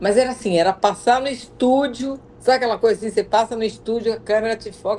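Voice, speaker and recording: A woman speaks at a fairly high pitch and a fairly quick pace. Hers is an unremarkable speaking voice with ordinary pitch variation. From Brazil, Brasília (born in Florianópolis, left at 8). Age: 60s. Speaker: retired TV journalist. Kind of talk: interview, casual chat.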